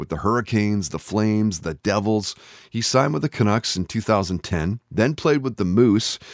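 In a normal speaking voice, a man talks at a moderate pace with a medium pitch and lively intonation, on a very clean recording with a silent background and a dry, close sound with no echo. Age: 40s. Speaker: podcast host. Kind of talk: scripted narration.

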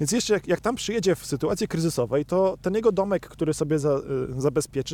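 Very fast and with lively intonation, a man talks in a high pitch with a dark, mellow tone. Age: 30s. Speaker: survival instructor and YouTuber. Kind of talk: casual interview. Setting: earth shelter by a campfire.

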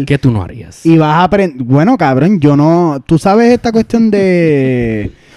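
A man with a fairly high voice whose pitch swings very widely, with a dark, mellow tone. He barely pauses, and the sound is dry and close with no echo. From Puerto Rico, San Juan metro area. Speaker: podcast co-host. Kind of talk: casual chat. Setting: live-streamed studio recording. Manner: animated.

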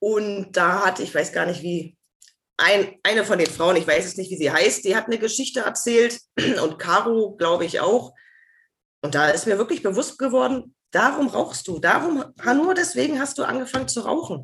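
A woman's medium-pitched voice, very wide pitch swings, at a moderate pace. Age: 40s. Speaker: former smoker, coaching client. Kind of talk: interview.

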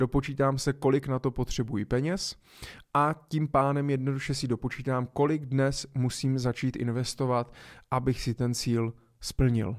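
A man with a normal speaking voice, medium pitch and fairly even intonation at a moderate pace, on a very clean recording with a silent background. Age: 30s. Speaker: financial advisor. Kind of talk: podcast monologue.

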